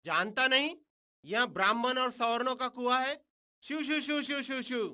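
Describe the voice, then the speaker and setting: A woman voicing a scornful villager in an animated film who drives a boy away from a well, in a contemptuous, shouting manner. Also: fairly high pitch, moderate pace. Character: scornful high-caste villager guarding a well.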